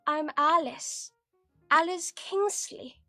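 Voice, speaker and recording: A woman's voice: high voice, very slow, bright, forceful tone, dry recording, soft background music, pitched above the performer's own voice, exaggerated voice. Alice, put on by a woman in a prim British voice. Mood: indignant. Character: proper young British Alice, a grown-up storybook heroine.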